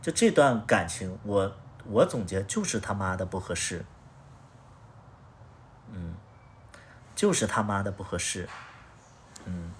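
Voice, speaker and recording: A man's voice: low voice, animated, unhurried, pauses often, a little hiss or hum. A young man telling a story on a casual livestream, blunt and rambling, swearing often. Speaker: livestream host.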